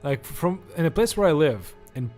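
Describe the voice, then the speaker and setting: A man's voice: fairly high pitch, expressive, moderate pace, darkish tone, soft background music. A young Portuguese man with a Portuguese accent, rambling and joking as he streams a game. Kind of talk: let's-play commentary.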